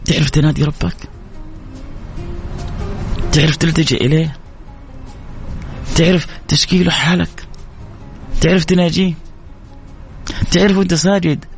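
A man's voice: sits high, steady tone, moderate pace, gravelly, pauses often, soft background music. A man preaching an emotional sermon, pleading and repeating phrases with stammered restarts.

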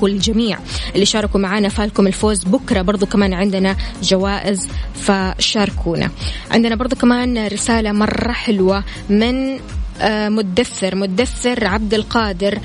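A woman with a Saudi Hejazi accent, presenting a morning radio show in a casual, chatty live style. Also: medium pitch. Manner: chatty, greeting and congratulating listeners. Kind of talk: casual live radio chat with listener shout-outs and news.

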